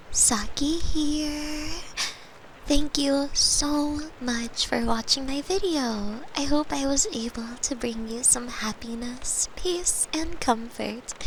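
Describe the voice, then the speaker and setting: A woman with a fairly high voice talks casually to her audience as an audio roleplay creator. It is an informal channel sign-off. There is slight noise behind her. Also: a bit bright, rough recording.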